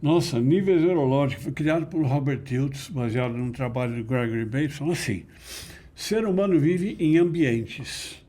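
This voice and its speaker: A middle-aged man being interviewed, explaining ideas in a measured, didactic way with emphatic stresses. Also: medium pitch, expressive, dark tone. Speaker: interview guest, NLP teacher. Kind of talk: conversational explanation.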